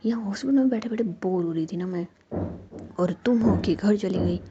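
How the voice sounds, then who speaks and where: A woman's voice: medium pitch, normal speed, natural voice. A woman voicing a teasing, playful young woman. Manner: affectionate, teasing. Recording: dull lo-fi recording with faint noise.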